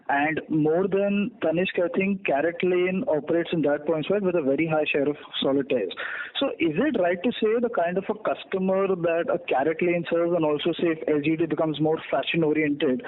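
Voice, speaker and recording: A man with an Indian accent comes through a thin telephone connection, his voice a bit high. He puts questions politely as a financial analyst. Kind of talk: polite questioning on a business call. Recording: narrow tinny phone line.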